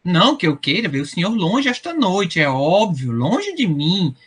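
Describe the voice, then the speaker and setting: Animated, cheeky teenage boy, voiced by a woman. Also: fairly low pitch, a little slow, husky, heavily acted. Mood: eager, sly. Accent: Brazilian. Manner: breezy, exaggerated innocence. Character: cheeky, evasive teenage son. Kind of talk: audio drama acting.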